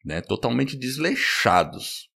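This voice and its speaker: A man hosting a podcast in casual chat, talking in a lively way and laughing easily. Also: mid-range voice, creaky, breathy edge. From United States. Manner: lively, animated delivery with quick laughs. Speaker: podcast host.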